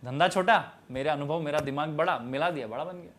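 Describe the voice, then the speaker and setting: Fairly quick and fairly bright in tone, this young man's voice has a fairly high pitch as he answers interview questions about starting a tea stall. In his twenties, he's emphatic and preachy, slipping in English phrases.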